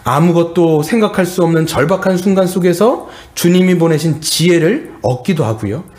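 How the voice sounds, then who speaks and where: A man's voice: on the high side, normal speed, a little mellow. A middle-aged male pastor preaching a sermon, earnestly and often turning to address the congregation.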